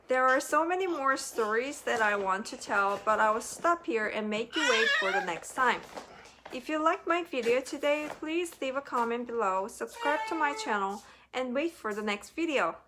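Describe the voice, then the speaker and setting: A woman's voice: fairly high pitch, background noise. Earnest woman sharing her story. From South Korea. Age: 30s. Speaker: vlogger. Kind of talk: personal faith testimony.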